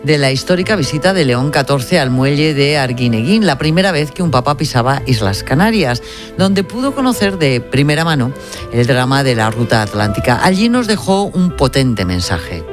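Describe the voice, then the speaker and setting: A man hosting a midday radio news show, presenting items and interviewing a guest in a polished, measured way. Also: medium pitch, very animated, over music.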